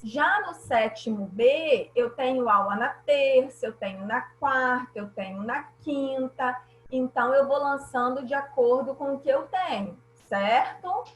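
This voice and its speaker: A woman's voice: high-pitched, animated, a little slow, echoey room, low-quality recording. A woman teacher with a Brazilian Portuguese accent, patiently explaining grammar in an online class and often checking that students follow.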